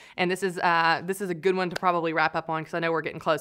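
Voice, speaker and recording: A woman talks at a very fast pace. Her tone is animated. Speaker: author and speaker. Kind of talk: webinar talk.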